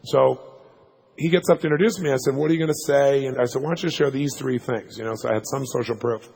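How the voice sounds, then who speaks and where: A man telling a story to a live audience as a motivational speaker, fast and punchy, checking in with "right?" asides. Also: mid-range voice, steady tone, gravelly, darkish tone, husky. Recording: long hall reverb.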